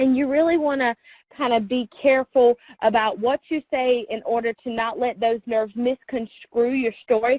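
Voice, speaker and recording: In a strong Southern US accent, a woman speaks at a high pitch with fairly even intonation, the sound dry and close with no echo. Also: moderate pace. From US South, North Carolina. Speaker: youth presenter. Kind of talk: webinar presentation.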